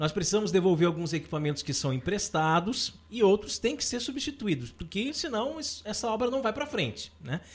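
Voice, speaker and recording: This man has a high pitch and a fairly quick pace. His pitch swings very widely. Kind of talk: religious talk show. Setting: studio.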